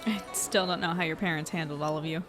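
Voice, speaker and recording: A woman's voice: deep voice, steady tone, quick pace, over music, close to an everyday voice. An actress playing a caring, curious young woman chatting with friends in an audio drama, casual and a little hesitant. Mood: concerned, curious. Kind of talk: acted dialogue in an audio drama podcast.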